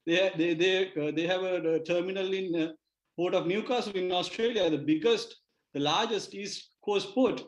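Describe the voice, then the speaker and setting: A man with a Sri Lankan accent arguing as a TV debate panelist, halting and repeating words. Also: high-pitched. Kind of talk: argumentative live TV debate. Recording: roomy, echoing remote guest feed.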